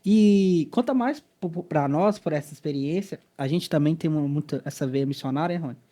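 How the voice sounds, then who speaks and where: A podcast host from Minas Gerais with a mellow, darker tone that sits a little high for a man. He talks casually and reacts with short interjections before asking his next question. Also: brisk. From Minas Gerais, Brazil. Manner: reacts with short exclamations, then asks follow-up questions.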